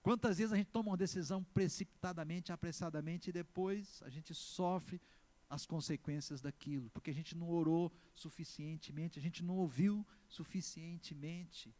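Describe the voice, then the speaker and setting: In a slightly high voice, a man with a Brazilian Portuguese accent delivers a sermon as pastor. He's emphatic, moving between loud cries and slow, stressed words, and keeps calling for the congregation's responses.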